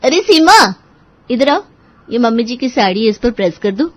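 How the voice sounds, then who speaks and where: A woman's voice: a little high, very animated, normal speed, no room sound. A woman voicing a work-dodging middle daughter-in-law with an offhand, dismissive manner. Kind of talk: storybook character voice.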